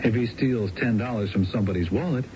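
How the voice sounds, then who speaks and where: An American actor playing a brazen, smooth-talking male ex-convict hustler in a radio drama, glib and persuasive. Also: lowish voice, quick pace, darkish tone, lightly acted. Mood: brazen, philosophical. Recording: dull, noisy old radio broadcast.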